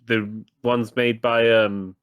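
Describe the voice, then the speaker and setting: A man's voice: on the low side, level tone, takes it slowly, clear, resonant tone, no echo, clean studio sound. A man co-hosting a gaming podcast, talking casually in rambling, self-correcting sentences and swearing now and then. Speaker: podcast co-host.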